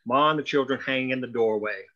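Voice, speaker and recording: A man narrates screenplay stage directions at a table read. His voice is bright and forward, at a middling pitch, on a dull, lo-fi recording. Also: brisk.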